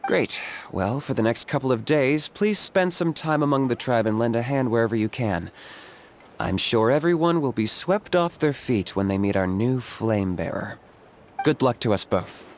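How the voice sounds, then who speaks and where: A man's voice: mid-range voice, animated, normal speed, slight background noise, close to an everyday voice. A man voicing a courteous, composed and encouraging tribal leader in a video game.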